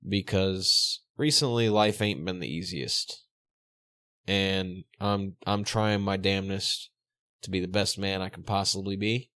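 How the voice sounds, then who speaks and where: A man's voice: low voice, steady tone, a little slow, pushed and bright, dry recording. A man running a tabletop game as game master and podcast host, laughing often and swearing casually.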